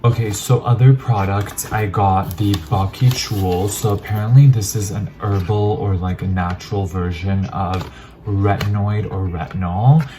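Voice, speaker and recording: A man's voice: fairly low pitch, fairly even intonation, a little slow. A man chatting casually as he unboxes and tries products, rambling and poking fun at himself. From Armenian heritage. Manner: chatty, rambling, self-deprecating. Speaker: vlogger.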